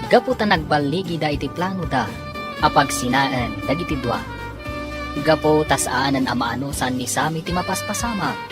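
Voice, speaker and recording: Low-voiced Filipino woman narrating over music. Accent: Filipino, Ilocano. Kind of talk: scripted radio drama narration.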